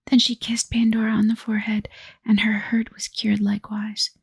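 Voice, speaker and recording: Woman in breathy ASMR whisper. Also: mid-range voice, completely flat delivery, no room sound. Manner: slow soft storybook reading. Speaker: ASMR storyteller. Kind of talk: whispered role-play.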